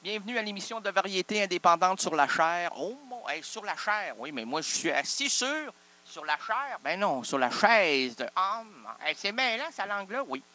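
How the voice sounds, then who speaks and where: A man hosts his own improvised comedy show. He plays with words and keeps cutting himself off. His voice is fairly high and bright, and it swings widely in pitch. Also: expressive, moderate pace. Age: 30s. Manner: absurd, playful, self-interrupting wordplay. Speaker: host.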